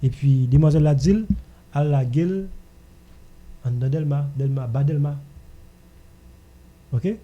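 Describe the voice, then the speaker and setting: A man's voice: a little high, a little slow, pauses often, warm tone, muffled recording. A man with a Haitian accent talking casually as host of a radio discussion.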